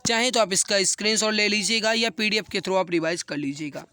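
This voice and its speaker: Male exam tutor, sore throat. High, smooth voice, dry close sound. Earnest and encouraging, repeats every question. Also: fast talker, bright, forceful tone, no room sound. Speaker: exam-prep teacher. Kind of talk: online exam practice class.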